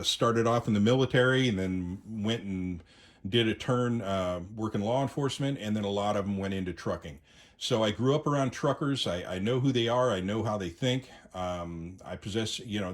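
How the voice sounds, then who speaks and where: A middle-aged American man giving an unscripted, conversational opinion monologue to viewers, with hesitant phrasing and frequent pauses. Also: on the low side. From United States. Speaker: YouTube host, amateur radio enthusiast.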